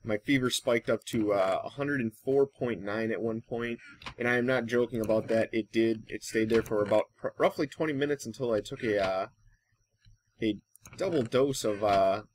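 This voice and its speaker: Halting, rambling male gaming commentator. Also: on the low side, a little hiss or hum. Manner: halting, thinks aloud, trails off. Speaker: gaming channel host. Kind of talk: casual rambling Let's Play commentary.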